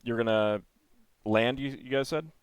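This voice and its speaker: A man running a tabletop game as game master, narrating haltingly with many pauses and restarts. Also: medium pitch, smooth, no room sound. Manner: halting, full of uhs and restarts.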